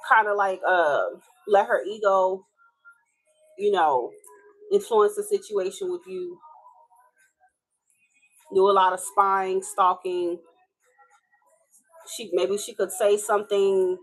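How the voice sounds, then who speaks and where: A casual woman with a Haitian accent reads tarot cards live. Her voice sits at a middle pitch, and her talk is loose and chatty, with slang and the odd curse word. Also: poor audio. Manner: casual, chatty, swears and laughs often. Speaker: tarot reader.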